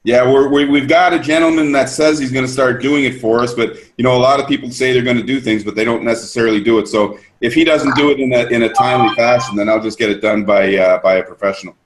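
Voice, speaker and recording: A man's voice: mid-range voice, steady tone, fast talker, hardly any pauses, a little hiss or hum. A man explaining a business system on a group call, enthusiastic and repetitive, restarting his sentences often.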